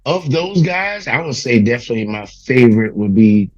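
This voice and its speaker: A man in his thirties from Louisiana with a raspy voice, chatting casually and reflectively as an interview guest. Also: mid-range voice, lively intonation, normal speed, highs cut off, crowd noise. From Louisiana, United States.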